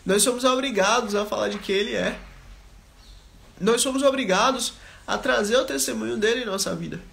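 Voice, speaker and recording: A man's voice: sits high, brisk, vocal fry, a bit bright, a little hiss or hum. A man preaching a live Bible study, talking directly to his listeners and repeating his points with emphasis. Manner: repetitive, emphatic exhortation; conversational, addresses listeners directly.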